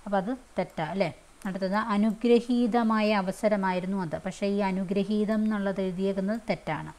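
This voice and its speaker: A woman works through exam questions one at a time, repeating each question and its answer in a conversational teaching style full of fillers and restarts. Her voice is mid-range and darkish, with a steady tone and normal speed.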